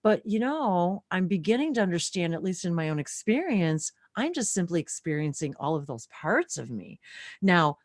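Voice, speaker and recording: A woman's voice: on the low side, very animated, moderate pace, dry recording, studio quality. A woman hosting a live spiritual talk stream, musing aloud in a casual, searching way. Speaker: host.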